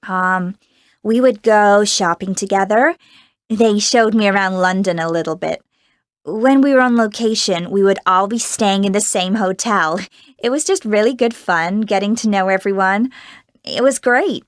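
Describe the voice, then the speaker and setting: A woman playing a cheerful American teenage girl actress in a scripted interview, chatty and quick to laugh, with an American accent. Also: mid-range voice, dry recording, studio quality, close to an everyday voice. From United States. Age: teens. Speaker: young film actress being interviewed. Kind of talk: scripted exam-recording interview.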